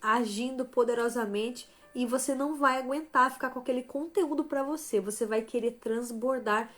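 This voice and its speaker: A woman with a somewhat high-pitched voice teaches her viewers on a live stream, with a motivational Christian tone. She moves between gentle and firmer emphasis and keeps checking in with quick "tá?" and "né?" tags. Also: faint music behind. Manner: tags most phrases with "né?" and "tá?"; shifts between softer and stronger emphasis. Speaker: live stream host and author.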